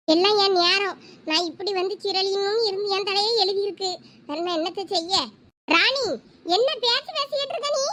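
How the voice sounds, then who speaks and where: A woman's voice: extremely high pitch, sharp tone, a little hiss or hum. A woman, arguing in a family comedy skit. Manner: quarrelsome rural Tamil family talk. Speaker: creator-actor voicing several village women and a girl.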